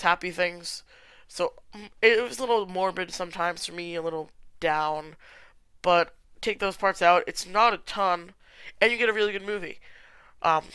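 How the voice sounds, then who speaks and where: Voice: mid-range voice, bright, forceful tone, clean tone, no room sound. A podcast host with a stuffy nose and sore throat, chatting casually and giving opinions in a solo film review. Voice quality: congested.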